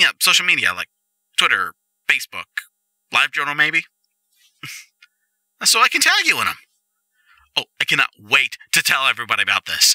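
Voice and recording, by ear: A man puts on a character voice with a bright, sharp tone and very wide pitch swings. The sound is dry and close with no echo, broken by long, frequent pauses. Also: medium pitch for a man, moderate pace.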